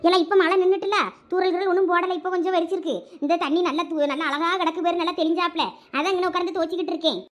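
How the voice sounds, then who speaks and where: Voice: extremely high pitch, steady tone, rapid-fire, few pauses. A voice actor playing a stubborn, fussy older mother-in-law in a cartoon, with a Thoothukudi Tamil accent. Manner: stubborn, complaining. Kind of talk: cartoon voice acting.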